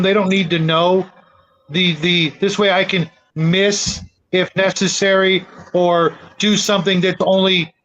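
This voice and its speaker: A man's voice: high voice, a bit bright. A man hosting a casual gaming discussion, hesitant and thoughtful, over a dull lo-fi connection. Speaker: tabletop gaming talk show host.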